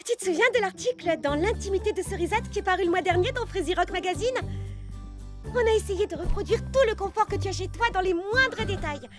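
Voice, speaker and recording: An eager, chatty young cartoon girl with a very high voice. She sounds hospitable and expressive, with loud music underneath. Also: fairly quick. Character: eager, hospitable young girl hosting her famous friend. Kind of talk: dubbed children's cartoon acting. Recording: music behind the voice.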